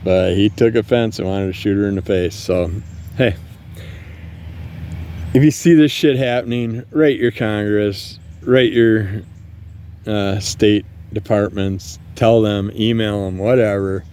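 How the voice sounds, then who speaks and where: A man's voice: lowish voice, a little slow, mellow, a little hiss or hum. A man hosting a solo podcast, ranting bluntly and angrily with plenty of swearing, recorded outside at night. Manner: angry, blunt and profane. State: living with multiple sclerosis. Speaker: podcast host. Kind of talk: casual solo rant. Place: outdoors at night. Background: distant fireworks and passing vehicles.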